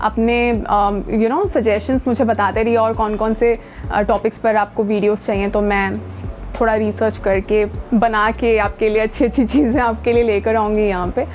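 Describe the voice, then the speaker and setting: Speaking to camera in a conversational instructional style, an Indian-accented woman who coaches voice and presents keeps a fairly high pitch and fairly even intonation. Her tone is a little mellow, her pace moderate, and the recording is muffled with faint music behind. She code-switches into English and emphasizes key words.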